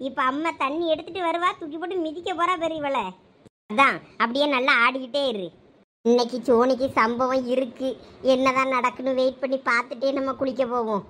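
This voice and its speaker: A woman's voice: extremely high pitch, steady tone, quick pace, few pauses, pushed and bright. A woman voicing a gossipy, mocking village woman in a cartoon, with a Thoothukudi Tamil accent. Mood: gloating.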